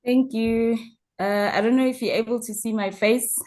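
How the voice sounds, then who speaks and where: A woman with a South African accent introducing herself as a guest speaker in an informal online talk, phrasing things haltingly with repeated words. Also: on the high side, fairly even intonation, a little mellow. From Mpumalanga, South Africa. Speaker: guest speaker, mining entrepreneur. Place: online video call.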